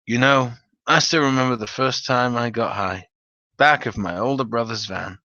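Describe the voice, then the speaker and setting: A man's voice: mid-range voice, normal speed, pushed and bright. A man voicing a rambling, profane, eccentric older stoner war veteran in a story reading. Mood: fond, reminiscing. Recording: dull, roomy home recording.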